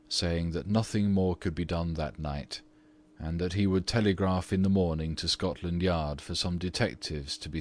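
A man narrating a classic story in a measured, even reading voice. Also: low-pitched.

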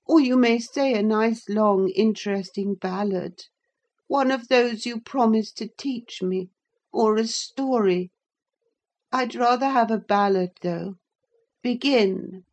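A woman's voice: fairly high pitch, slow, darkish tone, voice pushed up. A woman voicing a sickly, peevish teenage boy in an audiobook reading, whining and impatient.

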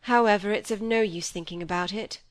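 A woman's voice: mid-range voice, a little fast, natural voice. A woman voicing a proud, impatient young woman who speaks sharply and curtly. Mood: rueful. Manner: sharp, curt.

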